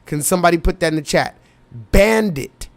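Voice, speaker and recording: A creaky, expressive male voice on the high side speaks at normal speed, with no room sound. He's hosting a live reaction stream, reading viewers' comments and insistently hammering his chat with repeated, urgent remarks aimed right at them.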